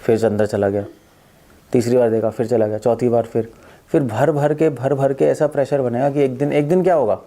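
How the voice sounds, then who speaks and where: A man giving a spiritual discourse as a monk who was once a doctor. His voice is mellow and rounded, never sharp. He tells stories with lively repetition and acts out the quoted thoughts of the people in them. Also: medium pitch, normal speed. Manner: animated storytelling, acts out quoted thoughts and repeats phrases.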